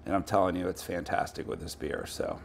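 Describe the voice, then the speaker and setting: A middle-aged chef with a low voice and vocal fry walks through a recipe casually at a pub bar, speaking fairly quickly. He's relaxed and full of ums and uhs, with noisy background sound.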